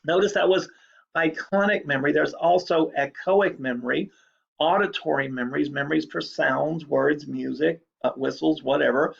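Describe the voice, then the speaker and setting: Male lecturer, slightly high gravelly voice, casual explainer, dull lo-fi recording. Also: normal speed. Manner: chatty, explanatory, repeats key points.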